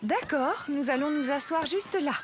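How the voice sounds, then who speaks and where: A woman voicing a patient, caring young mother in a French-language children's cartoon, gently explaining things. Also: high voice, moderate pace, noisy background, lightly acted. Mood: reassuring.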